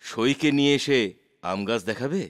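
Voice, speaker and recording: A man's voice: mid-range voice, normal speed, clear, resonant tone, close to an everyday voice. A man voicing a placid, indulgent king and husband in a cartoon, speaking in a mild, resigned manner. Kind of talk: cartoon voice acting.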